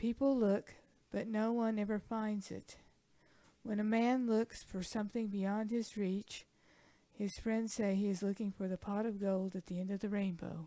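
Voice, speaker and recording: A woman speaks at a moderate pace in a dark, mellow tone with flat, monotone intonation. The sound is dry with no echo, and the background is quiet. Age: 60s. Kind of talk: standard reading passage. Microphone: headset.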